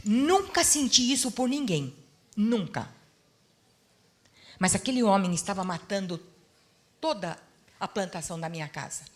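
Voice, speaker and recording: A middle-aged woman pastor giving a sermon at a church seminar, telling stories and swinging between hushed and emphatic preaching. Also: mid-range voice. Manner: lively storytelling, acts out quoted dialogue.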